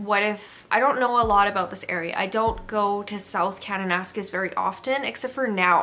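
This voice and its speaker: A woman, at a moderate pace and with fairly even intonation, talks over light background noise. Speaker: hiking vlogger. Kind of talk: casual vlog chat. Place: home room.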